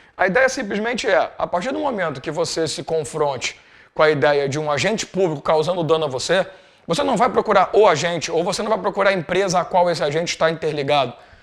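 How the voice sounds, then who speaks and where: A man talks at a very fast pace. His voice is high-pitched, with lively intonation. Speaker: law teacher. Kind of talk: lecture. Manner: casual, uses swear words and slang.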